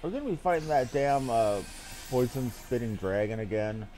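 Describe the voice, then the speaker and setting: A man's voice: medium pitch, animated, moderate pace, mellow. A man giving casual live commentary while streaming a game, with a wry, mildly profane way of talking.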